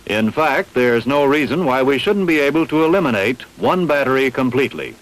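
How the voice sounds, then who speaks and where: A man reading scripted instructional narration in a measured, didactic, carefully enunciated way. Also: medium pitch, lively intonation, rough recording. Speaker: training film narrator.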